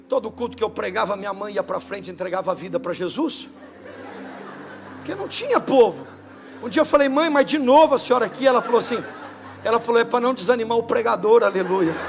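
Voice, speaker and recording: A Brazilian man preaching a sermon as pastor, telling funny stories and acting out the dialogue. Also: very high voice. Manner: lively humorous storytelling, acting out dialogue. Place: church service.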